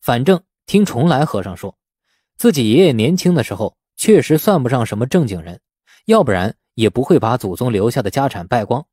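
A male audiobook narrator reads a novel in a dramatic, scripted style. His pitch is expressive and varied, and the recording is dry and free of room sound. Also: a little fast, breathy edge, dry recording.

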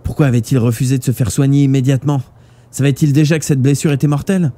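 A man reading a novel aloud live, with expressive narration. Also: mid-range voice, fast talker. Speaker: audiobook reader.

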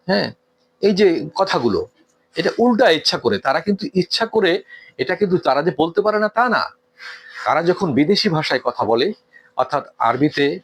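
A man from Bangladesh, giving an earnest, lecturing talk on etiquette, asking rhetorical questions and pausing with frequent hesitations. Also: on the high side, fairly bright tone. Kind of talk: didactic talk.

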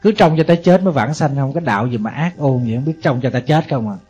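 Speaking fast in a husky, darkish mid-range voice, a male monk with a Southern Vietnamese accent delivers a Buddhist sermon. He keeps it conversational, tossing rhetorical questions at the audience. Faint music plays behind the dull, lo-fi recording.

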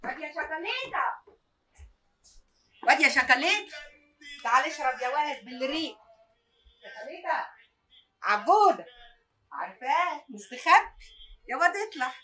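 A woman's voice: high-pitched, lively intonation, pushed and bright. An actress with an Egyptian accent playing a proud, devoted mother who works hard to raise her son, speaking in a homely, emphatic way. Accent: Egyptian Arabic. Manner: homely, emphatic, quick to plead. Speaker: working mother. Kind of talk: Egyptian TV drama acting.

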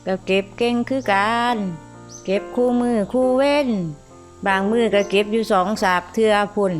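A woman voicing a sharp-tongued old village woman with a Northeastern Thai Isan accent, dry and mocking. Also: on the high side, moderate pace, soft background music, natural voice.

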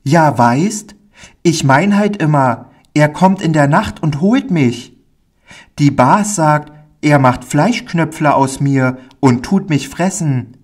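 A man's voice: animated, slow pace. A man putting on a shy little boy. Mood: anxious, eager. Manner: high, pleading, childlike.

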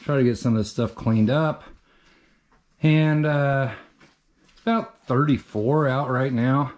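Unhurried and mid-range, with a darkish tone and the highs cut off, a middle-aged man from central Iowa talks through a casual update. The vlogger, who owns a farm shop, carries an action camera around his farmyard in winter, and also inside a shop, speaking in a plain, rambling way.

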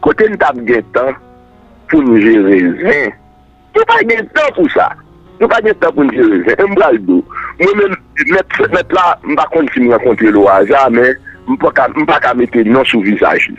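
A man's voice: medium pitch, wildly swooping pitch, moderate pace, no echo, dull audio, soft background music. A man, a political guest answering in a radio interview, emphatic and repetitive, declaiming his points.

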